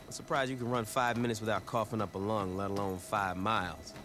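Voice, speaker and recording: An actor playing a blunt, sarcastic, foul-mouthed gang leader in a video game. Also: male voice, lowish voice, fairly even intonation, a little fast, music in the background, natural voice. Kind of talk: video game cutscene acting.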